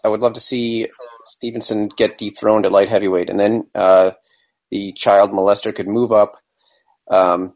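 A man co-hosting a casual boxing podcast, joking and provocative. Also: on the low side. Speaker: podcast co-host.

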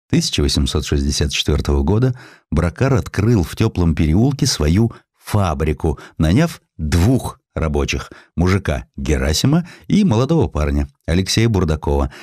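Deep expressive male narrator, dry sound. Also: normal speed, dry recording. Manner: expressive reading, voices characters in quoted lines. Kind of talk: audiobook narration of a historical essay with acted dialogue.

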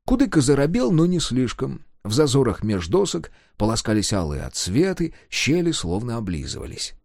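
Male audiobook narrator, animated storytelling, dry close sound. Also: mid-range voice, moderate pace, vocal fry, dry recording. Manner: lively storytelling, reads out footnotes. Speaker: audiobook reader.

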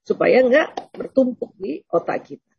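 A woman giving a conversational religious lecture in style, gently reassuring and acting out little dialogues as she answers questions. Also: sits high, lively intonation, unhurried, vocal fry, slightly rough, dry recording, highs cut off. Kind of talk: Islamic lecture with Q&A.

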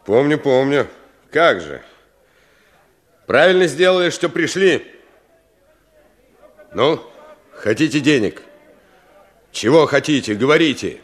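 An actor playing a boisterous, swaggering gang leader in a radio drama, loud, expansive and mocking. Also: male voice, medium pitch, expressive, takes it slowly, long pauses. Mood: magnanimous. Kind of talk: Russian radio drama acting. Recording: music and revelling crowd behind.

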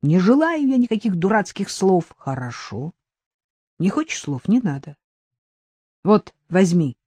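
A woman voicing a calm, firm middle-aged man who explains things in a level, measured way. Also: fairly low pitch, husky, no echo, heavily acted.

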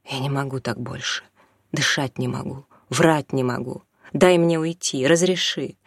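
A reader voicing a desperate mother torn by a new love, pleading in a husky, high, breaking voice. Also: normal speed, no room sound, clean studio sound. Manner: pleading, tearful, rising to high anguished pitch. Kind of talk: audiobook reading.

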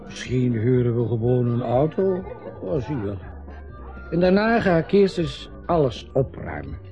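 A man's voice: medium pitch, big pitch swings, measured pace, warm tone. A man acting in a radio drama, playing a chatty, eager middle-aged father proudly showing off his home. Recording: muffled radio play recording, faint music.

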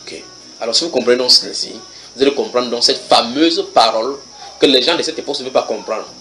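A man preaching a church sermon, animated, with many rhetorical questions, swinging from loud bursts to quiet asides. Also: mid-range voice, fast talker, soft background music.

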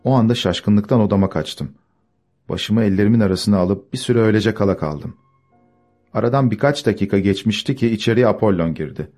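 A man narrates an audiobook in the first person with a measured, even reading. His voice is on the low side. Faint music runs quietly underneath.

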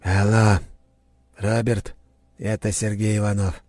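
Brief: man playing a weak, irritable old father, slow and hoarse. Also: fairly low pitch, little pitch movement, a little mellow, no echo, pitched above the performer's own voice. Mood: grim. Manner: hoarse, strained, commanding. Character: older father, weak from a coma, quick to anger. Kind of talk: audiobook character voice.

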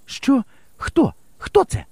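A man's voice: sits high, huge pitch swings, slightly rough, dry recording, voice pushed up, exaggerated voice. A man doing a brave young village teacher. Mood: brisk. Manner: bright, brisk and reassuring. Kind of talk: audiobook character voice.

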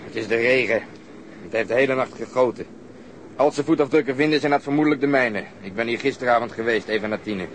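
A man's voice: mid-range voice, fast talker, natural voice. An actor as a dry, sardonic policeman, noisy recording. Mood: matter-of-fact, grumbling. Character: talkative, cynical male policeman, grumbling about the job. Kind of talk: naturalistic radio drama dialogue.

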